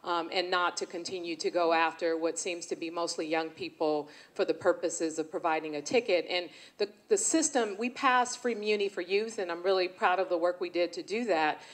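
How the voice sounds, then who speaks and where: A woman from San Francisco, a mayoral candidate, giving an earnest, measured debate answer and sometimes stumbling over names. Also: fairly low pitch. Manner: earnest and measured, slightly tongue-tied.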